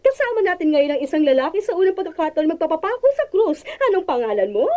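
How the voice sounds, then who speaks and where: A woman playing an excitable interviewer in a radio drama. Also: very high voice, fast. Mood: excited.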